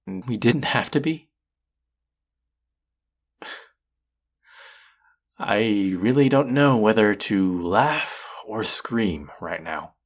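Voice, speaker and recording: A man plays a young chef in an intimate audio roleplay, a combative, exasperated rival who also has an earnest, tender side. His mid-range voice comes out gravelly and halting.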